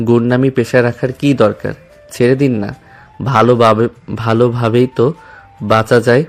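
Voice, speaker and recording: Man as worried young husband, pleading, monotone, audio love story, faint music. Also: medium pitch, moderate pace, natural voice. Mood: reproachful, pleading. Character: anxious young husband of a gangster woman. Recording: music under the voice.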